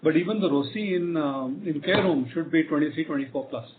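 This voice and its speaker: A narrow, faintly noisy phone line carries a fairly high-voiced man with an Indian accent. He speaks as an executive on a conference call, explaining off the cuff and punctuating points with "right" and "you know". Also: a little fast. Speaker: company executive answering investor questions.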